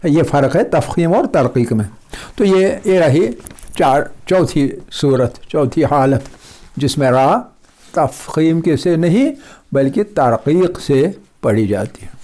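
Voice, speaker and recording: A man teaching a recitation lesson, patiently explaining and repeating example words slowly, often checking that his listeners follow. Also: a little high, animated, darkish tone. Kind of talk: tajweed lesson.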